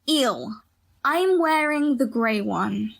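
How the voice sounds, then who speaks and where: A woman's voice: fairly high pitch, lively intonation, slow, gravelly, full character voice. A woman playing an irritable, gloomy young woman in an audio drama, terse and sardonic. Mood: glum.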